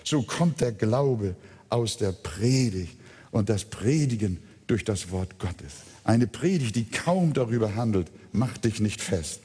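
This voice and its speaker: A man's voice: fairly low pitch, animated, takes it slowly, dark tone, husky. A man preaching a sermon, emphatic and speaking straight to his congregation. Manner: emphatic, addresses the congregation directly. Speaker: pastor. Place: church. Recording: long reverb of a church hall.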